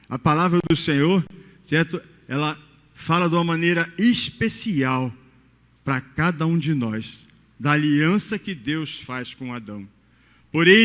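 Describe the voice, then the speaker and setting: A man serving as pastor preaches during an evening cathedral service, his high, somewhat bright voice ringing through the vast hall's lingering echo. He poses rhetorical questions to the congregation, letting his intonation rise and fall dramatically.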